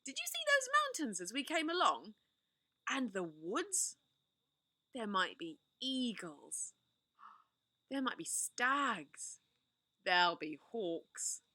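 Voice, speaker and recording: A woman's voice: on the high side, wildly swooping pitch, slow, long pauses, sharp tone, no room sound, clean studio sound, heavily acted. A woman voicing an enthusiastic, confident eldest boy in a storybook reading. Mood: eager. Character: eager, bossy eldest boy.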